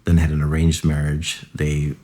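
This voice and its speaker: A young American man appears as a podcast guest, casually chatting and telling stories about his family in an interview. He rambles with lots of "like"s, in a rumbling low, mellow voice that's monotone and at a normal speed.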